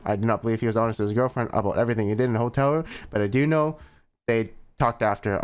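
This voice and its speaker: A man's voice: medium pitch, clean tone. A man streaming a reaction, reading a written statement aloud and skipping parts with "blah, blah". He breaks off now and then for sarcastic remarks. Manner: sarcastic asides between passages.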